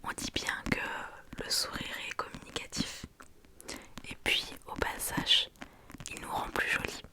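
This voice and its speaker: A woman talks in a soft, unvoiced library whisper, explaining hesitantly with pauses in an ASMR book talk. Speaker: ASMR creator.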